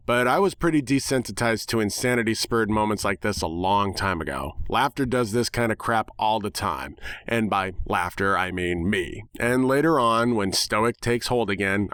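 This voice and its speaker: A man with a lowish, slightly bright voice reads a dramatic first-person fan fiction story in a wry, sardonic, conversational manner. The recording is clean studio sound with no echo.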